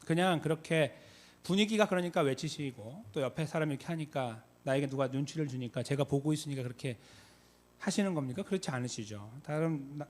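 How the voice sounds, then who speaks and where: A man pastor giving a conversational sermon, with frequent filler pauses. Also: fairly high pitch. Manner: conversational, many fillers, reenacts shouted call-and-response. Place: church sanctuary.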